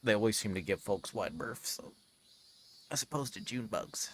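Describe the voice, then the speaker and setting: A man's voice: on the low side, expressive, moderate pace, a bit bright, a little hiss or hum. A man livestreaming a visual novel, chatting casually and reading aloud, sometimes stumbling over his words. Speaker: streamer.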